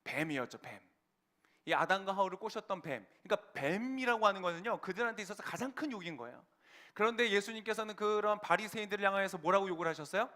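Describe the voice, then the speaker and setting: Young male pastor, high bright voice, emphatic sermon delivery with rhetorical questions. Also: animated, fast. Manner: emphatic, rising to fervent declarations; asks the congregation rhetorical questions.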